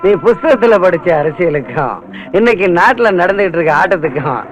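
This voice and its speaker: A sneering gangster. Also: male voice, sits high, expressive, a little fast. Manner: sneering, laughing, lecturing. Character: mocking smug male gangster, middle-aged. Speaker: gangster holding a minister's daughter. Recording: dull lo-fi film soundtrack with music.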